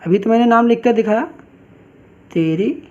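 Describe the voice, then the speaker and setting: Woman, chemistry teacher, fairly high voice, asks and answers her own questions, drawls key terms, dull lo-fi recording. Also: expressive, moderate pace, darkish tone. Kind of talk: online class lecture.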